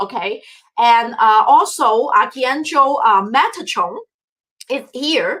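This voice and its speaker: A woman with a non-native accent speaks very slowly at a high pitch. Her tone is bright and sharp, and her pitch swings very widely. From China. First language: Chinese. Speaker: spiritual reader and author. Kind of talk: live psychic message reading. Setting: livestream. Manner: halting with many fillers.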